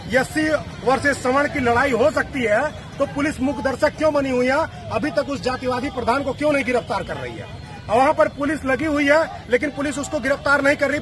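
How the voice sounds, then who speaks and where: A man speaking as an activist, making an emphatic, accusing protest statement to the press outdoors. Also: extremely high pitch.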